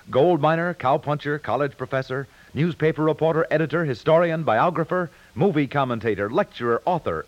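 A man with an American accent reading scripted 1950s radio announcements in a formal, emphatic, measured way. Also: medium pitch, no room sound. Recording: muffled 1950s radio broadcast.

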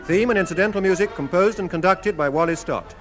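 A male announcer reading the closing credits of a 1950s radio comedy in a measured, formal way. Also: sits high, a bit bright. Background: theme music.

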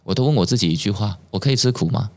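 Low-voiced Taiwanese man telling stories. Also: racing. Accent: Taiwanese Mandarin. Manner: animated storyteller who acts out quoted dialogue. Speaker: podcast guest. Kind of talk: personal storytelling in conversation.

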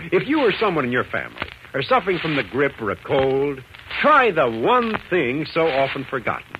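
An American man working as a 1940s radio announcer, delivering sponsor pitches and serial narration in an earnest, emphatic way. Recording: noisy, muffled 1940s radio recording.

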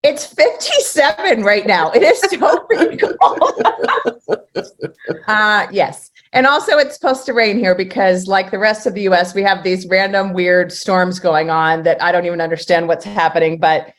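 This is a woman of middle pitch co-hosting a podcast in a loose, chatty way. She fills her sentences with ums and little laughs. Her tone stays friendly and informal. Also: animated, moderate pace. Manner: chatty, many fillers and laughs. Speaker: podcast co-host. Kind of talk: casual podcast chat.

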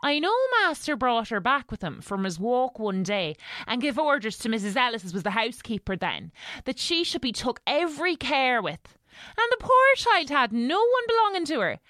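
A homely middle-aged housekeeper in an audio drama. She has a rural English accent and a high, bright voice, chatting and gossiping fondly with very animated pitch. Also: normal speed, no room sound. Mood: gossipy storytelling.

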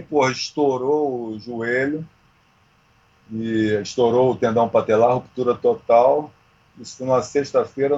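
A man of around sixty with a husky voice, chatting informally and slangily as he tells stories. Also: mid-range voice, dull audio. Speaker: amateur triathlete, interview guest. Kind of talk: casual chat, storytelling.

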